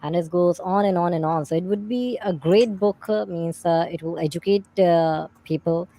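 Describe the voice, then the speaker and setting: A woman with a South Asian accent, a native Urdu speaker, talking unscripted as a livestream guest in halting, repetitive English as she searches for words. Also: on the low side, mellow.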